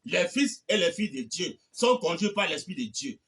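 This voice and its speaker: A man preaching a fervent sermon, often shouting and repeating refrains between phrases. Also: sits high, big pitch swings, moderate pace, vocal fry, far from the mic, slight background noise. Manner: shouting, repeating "eh ben" and "amen".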